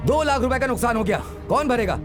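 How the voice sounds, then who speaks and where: A man's voice: very high-pitched, animated, fast, over music. A man playing an exasperated villager in a comic drama, scolding repetitively about damages.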